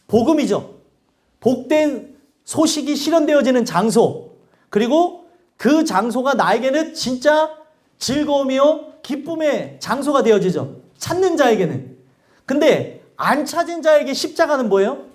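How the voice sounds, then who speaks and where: A male pastor preaching a sermon in church, asking the congregation questions and acting out angry prayers. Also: high-pitched. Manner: animated preaching with acted outbursts and rhetorical questions.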